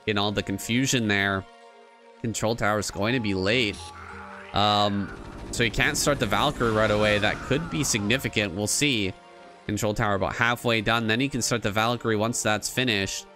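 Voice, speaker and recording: A man casts a strategy game on his own, talking fast and getting worked up as the action builds. His voice is going hoarse, and it sits at an ordinary middle pitch. Loud game music plays clearly behind him the whole time. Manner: excited, rambling play-by-play. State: losing his voice. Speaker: game caster. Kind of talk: solo esports commentary.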